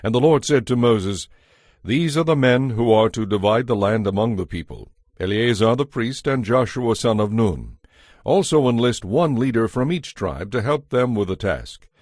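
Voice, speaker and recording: A man narrating dramatized scripture in a solemn, measured, authoritative manner. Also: medium pitch, lively intonation, darkish tone, dry recording, studio quality. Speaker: audio Bible narrator. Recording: music under the voice. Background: music.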